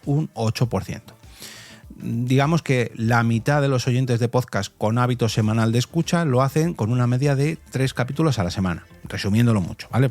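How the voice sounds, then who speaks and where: A man's voice: medium pitch, a little mellow. Spanish man hosting a podcast, music behind. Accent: Spanish from Spain. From Spain. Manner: explanatory, addresses listeners directly with rhetorical questions. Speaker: podcast host. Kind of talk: conversational podcast commentary on survey results.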